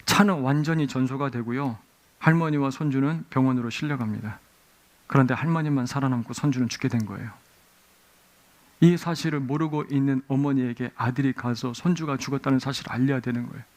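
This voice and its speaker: A man's voice: medium pitch, fairly quick, a little mellow. A man preaching a sermon as pastor, telling stories and acting out the voices of people in them. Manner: storytelling, acting out voices in quotes. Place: church sanctuary.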